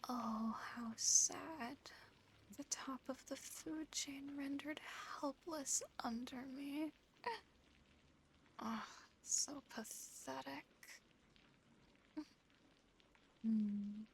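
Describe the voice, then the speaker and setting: A female demon played by a woman whispers close to the mic in a breathy, fairly high voice. She speaks extremely slowly, lingering over her words with taunting, condescending affection. It is an ASMR roleplay with faint ambient noise behind her. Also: heavily acted, low-quality recording. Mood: mock pity. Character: female sleep paralysis demon, teasing, condescending, darkly affectionate. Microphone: close ASMR microphone.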